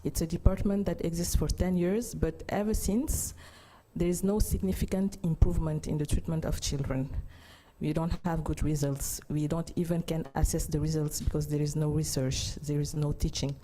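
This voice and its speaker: A woman around thirty with a Senegalese accent shaped by native French, speaking in a low-pitched, soft-toned mellow voice. She delivers a testimony to a conference and feels her way through her phrasing. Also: steady tone, moderate pace, slight background noise, low-quality recording. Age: 30s. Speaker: pediatric oncologist giving a testimony.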